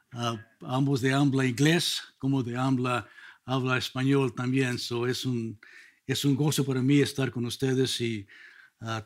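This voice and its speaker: Older man, pastor, English first language; halting workshop preaching with gentle jokes. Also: medium pitch. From California. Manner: halting restarts, light humor. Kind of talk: sermon workshop. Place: seminary chapel.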